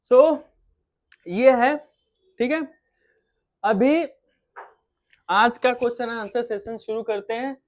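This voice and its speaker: A man teaching an online acting class, explaining at a relaxed pace with many fillers and repeats. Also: extremely high pitch, slow pace, long pauses.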